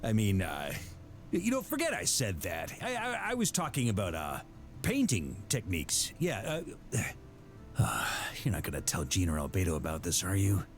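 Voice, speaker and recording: Jovial knight commander, hugely animated. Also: male voice, deep voice, moderate pace, faint music behind. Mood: sheepish. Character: jovial, roguish middle-aged male knight grandmaster, worldly and warm-hearted. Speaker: game character giving voice lines. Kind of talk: scripted video game voice acting.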